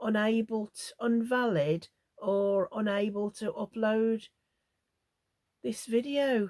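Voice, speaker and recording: English accent with a dark, mellow tone and a dry, close sound without echo. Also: woman. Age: 60s. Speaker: crochet vlogger. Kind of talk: casual chat. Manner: halting.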